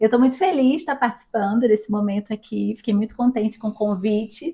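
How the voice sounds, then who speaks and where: In a strong Rio de Janeiro accent, a woman speaks at a fairly high pitch with ordinary pitch variation. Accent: strong carioca. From Rio de Janeiro, Brazil. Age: 40s. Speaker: homeschooling mother. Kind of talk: testimony in casual interview.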